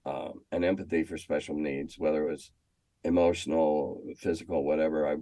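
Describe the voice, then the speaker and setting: An older American man reminiscing in a casual, halting, anecdotal way, often repeating himself as he goes. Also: rumbling low, fairly even intonation, dark tone, dry recording. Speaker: guest, former schoolteacher. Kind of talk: casual storytelling interview.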